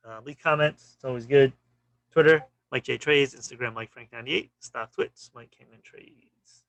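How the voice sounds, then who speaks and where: Man, trading vlog host; gravelly, bright tone, dry close sound; casual clipped chart talk. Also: medium pitch, moderate pace, no echo, low-quality recording. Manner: clipped, fragmentary phrases with frequent "you know". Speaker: stock trading channel host.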